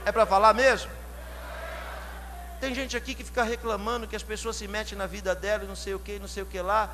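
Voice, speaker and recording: A man from São Paulo with a São Paulo Portuguese accent, preaching a sermon, questioning the congregation and building to loud shouted climaxes. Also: sits high, flat delivery, fairly quick. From São Paulo, Brazil. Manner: asks the congregation direct questions. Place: church hall. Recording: long hall reverb, faint hum.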